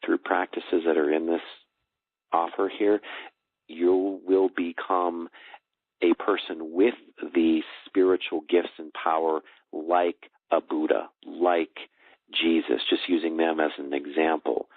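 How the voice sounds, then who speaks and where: A man with an extremely low voice speaks as a spiritual coach, earnest and explanatory. He goes in short, measured phrases. The audio is dry and heavily band-limited, like a phone. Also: level tone, no echo. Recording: muffled phone-like call audio.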